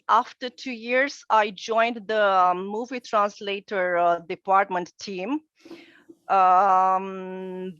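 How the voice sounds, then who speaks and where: A middle-aged woman from northern Romania, a native Romanian speaker, calmly recounting her career as a translator and interpreter, with frequent hesitations. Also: mid-range voice, smooth, no echo. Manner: measured, many hesitations. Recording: dull dry video-call audio.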